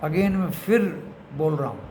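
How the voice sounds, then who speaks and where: Speaking like a friend to his audience, an Indian man hosts unscripted market commentary on his channel, frequently dropping into English phrases. His slightly high voice has a darkish tone and lively intonation at a normal speed. Clear noise and echo from the room sit behind him.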